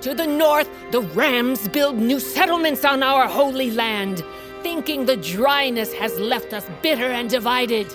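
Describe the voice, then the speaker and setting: A woman's voice: high voice, a little slow. An actress playing a stern, commanding tribal queen and mother who rallies her people with authoritative speeches. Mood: rousing. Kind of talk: fantasy audio drama acting. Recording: music bed behind voice.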